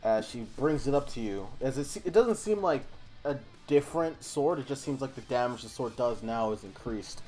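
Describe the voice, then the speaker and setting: A man's voice: medium pitch, expressive, normal speed, darkish tone, soft background music. A man narrating a tabletop game as game master, rambling with many fillers.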